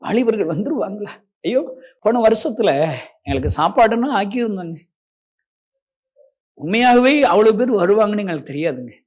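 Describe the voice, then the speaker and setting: A middle-aged male preacher giving an emotional testimony sermon. He swings between loud pleading and hushed, near-tearful talk, and addresses his listeners respectfully and directly. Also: high-pitched, husky.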